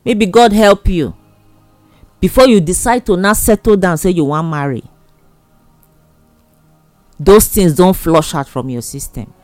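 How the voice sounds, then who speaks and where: Slow, emphatic Nigerian Pidgin advice voice. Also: medium pitch, a little mellow, no room sound, soft background music. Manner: emphatic, repetitive, exhorting.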